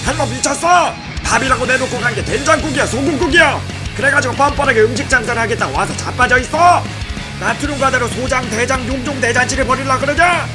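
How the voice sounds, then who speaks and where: High-pitched, irate old grandpa. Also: male voice, quick pace, over music. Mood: furious. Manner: shouting, ranting complaints. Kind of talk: comic webtoon dubbing.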